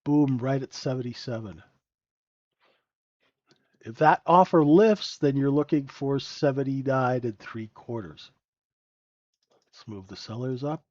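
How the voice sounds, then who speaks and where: A man's voice: mid-range voice, measured pace, long pauses, a little mellow, no echo, highs cut off. Stuffy-nosed man calling live trades. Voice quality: nasal. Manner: conversational, keeps asking "right?". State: stuffy nose, sniffling. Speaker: trading room host. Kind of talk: live trading commentary.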